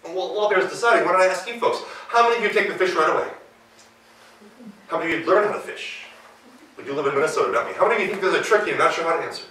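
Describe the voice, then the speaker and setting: A man's voice: high-pitched, racing, pushed and bright. An American man telling a folktale live, playfully putting questions to his listeners. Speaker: storyteller. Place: live event room with audience. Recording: roomy live hall, distant mic.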